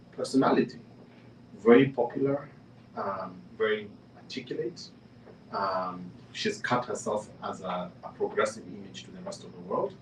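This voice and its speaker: At a panel event in a room, a man from Kenya tells a story conversationally, using fillers and restarts as he builds to emphatic points. His voice is on the low side. The room echoes, he is far from the mic, and there's slight background noise.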